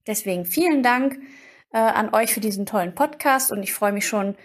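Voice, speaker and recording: A woman's voice: medium pitch, animated, normal speed. A woman of thirty-four speaking casually and enthusiastically, as a listener leaving a spoken message.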